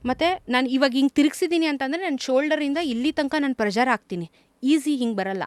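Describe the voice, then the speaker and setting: A woman guest speaks in a fairly high voice, telling her story candidly and with animated detail. The sound is close and dry, with no room echo. Her delivery is casual and conversational, as in a sit-down interview. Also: fast talker. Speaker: moto vlogger, interview guest.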